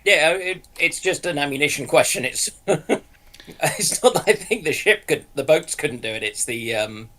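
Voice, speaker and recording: A man's voice: fairly high pitch, expressive, measured pace, pushed and bright. A man speaking casually, putting short questions and comments into a live discussion.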